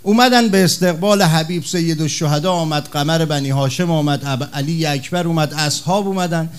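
Impassioned preacher, man, higher voice. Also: clean tone. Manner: impassioned, swells to loud cries. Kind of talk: fervent religious sermon with storytelling.

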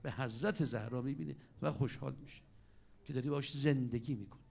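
A man preaching a sermon, telling stories with sudden swings between loud and hushed delivery. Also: medium pitch, creaky.

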